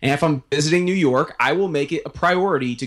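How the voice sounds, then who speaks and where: On a very clean recording with a silent background, a man with a General American accent and an unremarkable speaking voice talks at a fairly quick pace with ordinary pitch variation. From US (Florida). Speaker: podcast co-host. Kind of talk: interview.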